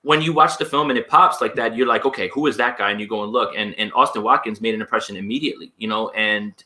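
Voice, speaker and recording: A man on a video call, loud and enthusiastic, rambling casually about game film he watched. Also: on the low side, fast talker. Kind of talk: casual sports analysis.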